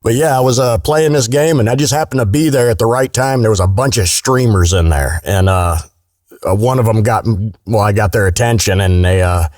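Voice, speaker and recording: A man's voice: fairly low pitch, a little fast, darkish tone, no room sound, clean studio sound. A man chatting casually and bluntly as a podcast guest, telling anecdotes in a joking, informal way.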